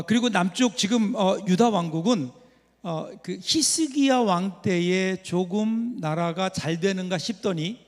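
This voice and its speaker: A man preaching a Sunday sermon as pastor, telling a story conversationally and putting rhetorical questions to the congregation. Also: high-pitched. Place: church sanctuary. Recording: long reverb of a church hall.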